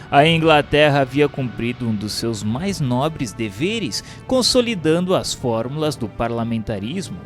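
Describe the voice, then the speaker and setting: Man narrating solemnly, lively pitch. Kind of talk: solemn scripted narration of a spiritist history text. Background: music.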